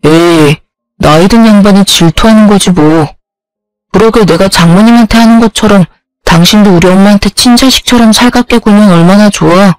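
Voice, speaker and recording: A woman's voice: mid-range voice, fairly quick, dry recording, natural voice. A woman voicing a self-centered young husband who curtly brushes off his wife's complaints. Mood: dismissive.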